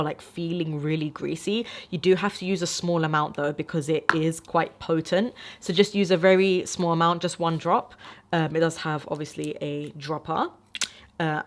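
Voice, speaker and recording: A young woman talks straight to the camera in a relaxed beauty-review vlog. Her voice sits a little low for a woman. She rambles in a friendly way, filling pauses with "um" and "like". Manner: chatty, many fillers like "um" and "like". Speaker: beauty vlogger. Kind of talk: casual beauty product review.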